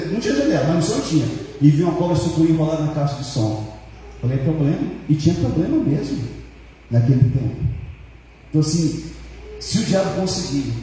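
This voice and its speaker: A man, a pastor, telling a personal story in a sermon, animated and repetitive, full of fillers. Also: on the high side, slight background noise. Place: church hall. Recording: echoey church hall, mic far off.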